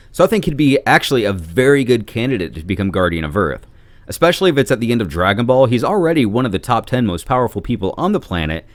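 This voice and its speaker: A man's voice: medium pitch, no room sound. A man speaking as a podcast guest in a casual fan discussion, reasoning through his points conversationally.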